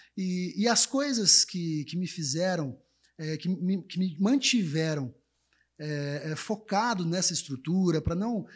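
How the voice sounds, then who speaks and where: On a very clean recording with a silent background, a man speaks very slowly in a high pitch with lively intonation. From Brazil, Minas Gerais (Passos). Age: 20s. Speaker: entrepreneur, solar energy franchise. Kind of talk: casual interview chat, testimony.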